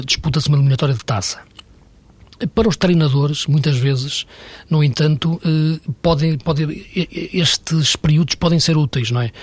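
A man's voice: a little high, husky, no echo. A man, a football pundit arguing his points on a studio panel, hesitating and restarting often. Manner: hesitant, many restarts, argumentative.

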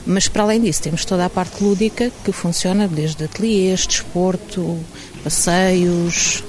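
A woman's voice: fairly low pitch, fairly even intonation, unhurried, a little mellow, low-quality recording. Hesitant woman project coordinator. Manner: hesitant, with fillers and restarts. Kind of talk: interview.

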